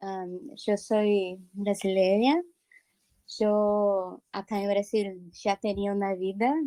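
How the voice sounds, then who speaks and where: A woman with a medium pitch and a dark, mellow tone talks at a very slow pace. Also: fairly even intonation. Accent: Brazilian. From Brazil, Rio de Janeiro. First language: Portuguese (speaking Spanish). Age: 30s. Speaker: medical student. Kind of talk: interview.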